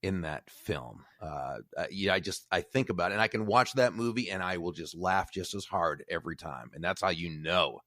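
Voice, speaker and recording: A middle-aged man from Massachusetts with a faint Boston accent, talking as a guest in a casual podcast interview, measured and full of fillers. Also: sits low, bright, forceful tone, dry recording, clean studio sound. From Massachusetts, USA.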